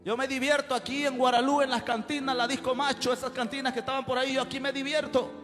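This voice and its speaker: A cocky young man brushes off every invitation, played by a preacher. His voice sits very high and carries a long reverb through the hall, with music playing underneath. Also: flat delivery, quick pace. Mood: dismissive. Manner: dismissive, brushing off.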